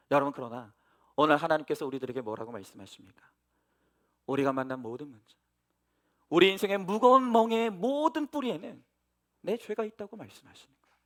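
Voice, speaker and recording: A middle-aged pastor preaches a sermon earnestly in a high voice. He swings between loud emphasis and hushed passages that are nearly whispered.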